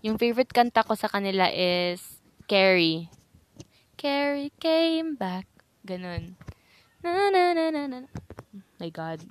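Chatty giggly Filipina teen podcaster. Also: female voice, on the high side, sing-song, a little slow, pauses often, clean tone. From Visayas, Philippines. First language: Bisaya. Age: mid-teens. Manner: chatty, giggly, jokey, rambling with fillers. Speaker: podcast host. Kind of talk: casual solo podcast chat.

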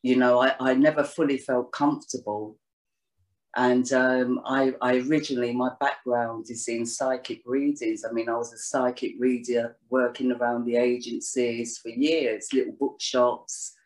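A woman's voice: rumbling low, little pitch movement, moderate pace, a little mellow. A woman guest in a casual interview, talking at length in a rambling way with lots of "you know"s and restarts. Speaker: astrologer guest.

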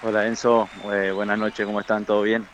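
A man, a football coach, answering radio interview questions in a halting way with repeated words. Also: lowish voice, level tone, a faint crowd, slight background noise, rough recording. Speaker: football coach and former player.

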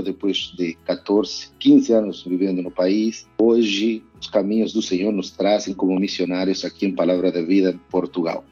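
Husky low Argentine man, earnest. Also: warm tone, no echo, muffled recording. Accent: Argentine Spanish. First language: Spanish. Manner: reflective, earnest, hesitant with "eh". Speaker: pastor and missionary. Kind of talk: casual podcast interview.

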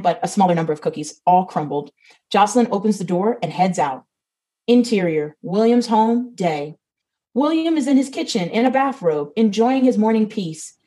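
A woman's voice: mid-range voice, dark tone, low-quality recording. A woman reading the stage directions of a comedy script, matter-of-fact.

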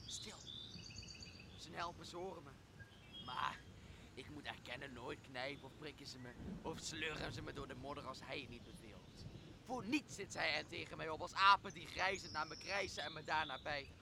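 A young man playing a resentful, cursing monster slave in an audio drama, bitter and theatrical with a gravelly voice. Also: a little high, normal speed, very noisy. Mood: fearful resentment. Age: young adult. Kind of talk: Shakespearean audio drama monologue.

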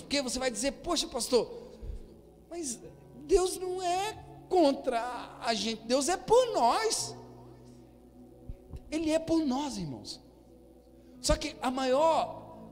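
A man preaching a sermon as a pastor to his congregation, sometimes rising to a shout. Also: very high voice. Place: church hall. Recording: long hall reverb, faint music.

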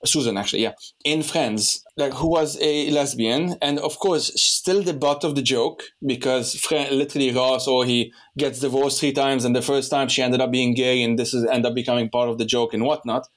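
A man's voice: medium pitch, steady tone, moderate pace, few pauses, poor audio. Rambling young man from Lebanon. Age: young adult. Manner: rambling, many restarts and fillers. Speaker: podcast host. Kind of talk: casual conversation.

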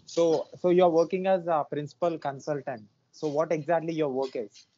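A man hosting an interview, asking slow, formal, deliberate questions from outdoors. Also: on the high side, fairly even intonation, dark tone, highs cut off, slight background noise. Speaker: interviewer, channel host. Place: outdoors, warm weather.

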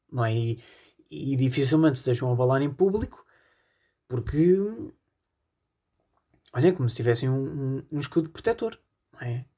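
Husky rambling Portuguese podcaster. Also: male voice, medium pitch, a little mellow. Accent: European Portuguese. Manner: rambling, self-deprecating, peppers talk with "pá". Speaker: podcast host. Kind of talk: comedic solo podcast monologue.

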